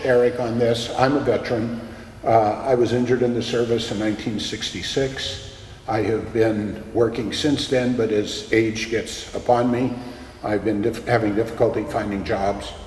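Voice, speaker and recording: Noticeable background noise fills the recording. A man's voice carries audible room echo. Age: 60s. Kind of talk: casual interview.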